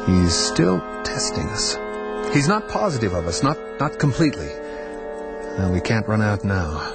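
An actor playing an anxious male fugitive from the future, nervous and quick to anger. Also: lowish voice, sing-song, vocal fry, loud music behind the voice. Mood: agitated. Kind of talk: 1980s radio drama acting.

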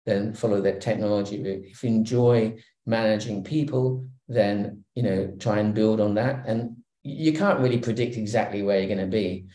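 A middle-aged man from Hong Kong, a guest on a video call interview, speaking in a relaxed, reflective way with many fillers and restarts. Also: fairly low pitch, moderate pace, few pauses. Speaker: guest executive. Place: home room. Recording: roomy video call audio.

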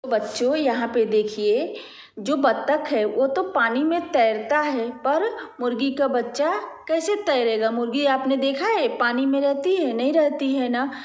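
A patient woman teacher reads a picture story to small children and explains it with simple questions. She speaks very slowly, in a slightly high voice. The room around her rings with a noticeable echo. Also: animated, darkish tone. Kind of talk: reading a storybook lesson to young children.

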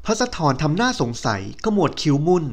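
A cheerful young agronomist with a bright, chatty, teasing way of talking, put on by a male storyteller. The voice sits high and swings up and down with lively energy. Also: fairly quick. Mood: earnest.

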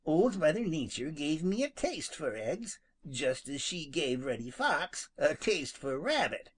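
A sly, grinning skunk who teases in a slow, easy drawl, as a storybook narrator puts him on. His voice is slightly husky and ranges widely in pitch. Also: sing-song. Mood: teasing. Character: sly, grinning male skunk, good-natured.

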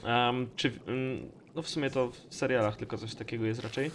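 A man's voice: medium pitch, a little hiss or hum. A man with a Polish accent giving casual, slangy, mildly profane gaming commentary as host of a let's play. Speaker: gamer hosting a let's play series.

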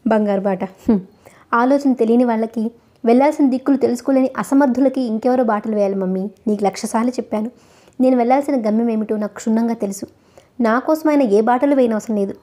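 A woman's voice: a little high, fast talker, warm tone, close to an everyday voice. A woman reading as a defiant young doctor son. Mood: angry. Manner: bitter, scornful retorts.

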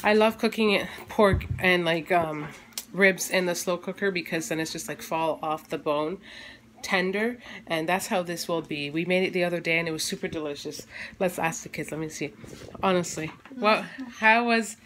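A woman's voice: fairly low pitch, moderate pace, fairly bright tone, slight background noise. Chatty woman vlogging from her kitchen. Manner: chatty, rambling, lots of fillers. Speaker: family vlogger. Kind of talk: casual cooking vlog chat. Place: home kitchen, indoors. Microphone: phone camera held at arm's length.

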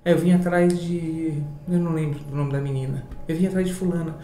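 Animated Brazilian man in an echoey room. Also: fairly high pitch, fairly quick. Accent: Brazilian Portuguese. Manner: animated, swearing, acts out voices in his story. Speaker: interviewee. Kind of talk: casual storytelling in an interview.

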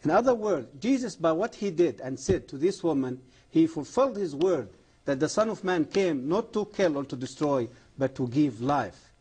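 A middle-aged man speaks as a TV guest, fervent and earnest, in halting non-native English full of restarts. His voice is husky and mellow, pitched a little above the usual for a man. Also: animated. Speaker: guest, former imam. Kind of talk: earnest testimony on a TV program.

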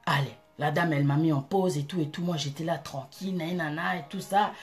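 A woman telling an animated, emphatic personal testimony in a casual way. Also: low-pitched, fairly quick, faint music behind. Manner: animated, emphatic, breaks into laughter. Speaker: Christian vlogger.

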